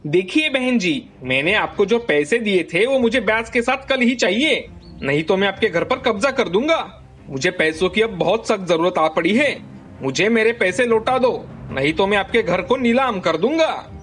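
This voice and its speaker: An actor voicing a greedy, scheming village moneylender who talks in a loud, sneering, threatening way. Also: male voice, sits high, lively intonation, normal speed, faint music behind. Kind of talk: cartoon dubbing.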